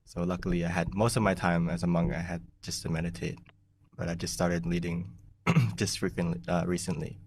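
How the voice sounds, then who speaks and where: A young man, a monk who grew up in the United States, giving an easygoing meditation talk on a video call, often laughing and clearing his throat. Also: deep voice, little pitch movement, a little fast, darkish tone, recorded from a distance, a little hiss or hum. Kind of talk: relaxed teaching talk over a video call. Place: small plain room indoors. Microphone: large desk mic in front of him.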